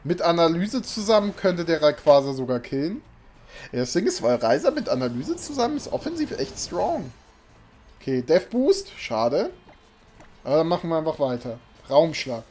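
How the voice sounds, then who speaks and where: In a small room at home, a young streamer plays a game and chats loosely to his audience, occasionally bursting out in frustration. His voice is a little high, sing-song, and a little mellow, moving at a moderate pace. A desk mic and webcam capture him, with faint game music behind.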